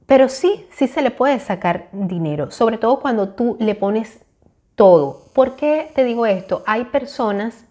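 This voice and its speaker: A woman in her forties speaks straight to camera through a lapel mic in a small room. Her voice is warm and mellow, earnest and encouraging, with hesitant fillers between her thoughts. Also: on the high side, lively intonation, measured pace. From Venezuela. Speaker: YouTuber. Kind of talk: casual talk to camera.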